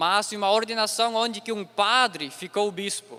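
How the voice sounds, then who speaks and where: At a fairly slow pace, a man projects a raised voice at an extremely high pitch. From southern Brazil, Paverama (Rio Grande do Sul). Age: 20s. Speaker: seminarian. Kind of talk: homily.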